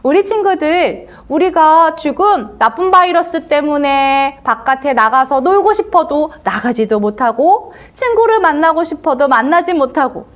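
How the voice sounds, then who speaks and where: A woman preaching a storytelling sermon to young children, in an animated, sing-song way. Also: sits high, unhurried, hardly any pauses. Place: church, recorded for online service.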